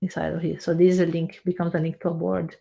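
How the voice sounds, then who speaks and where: A woman researcher and software developer, a guest in a casual interview, talking animatedly as she walks through a software demo on screen. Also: lowish voice, fast talker, vocal fry, breathy edge. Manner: animated, explains while clicking through a screen demo, many restarts.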